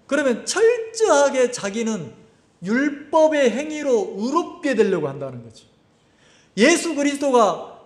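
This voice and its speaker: A male pastor preaching a sermon at a church camp, constantly asking the congregation questions. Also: high voice. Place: church summer camp service. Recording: echoey hall.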